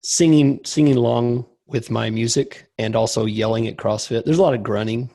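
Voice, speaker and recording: A man co-hosts a podcast in a gravelly, husky voice that is a little hoarse and crackly. He speaks casually, with a self-deprecating and somewhat awkward manner. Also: mid-range voice, moderate pace, mellow. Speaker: podcast co-host.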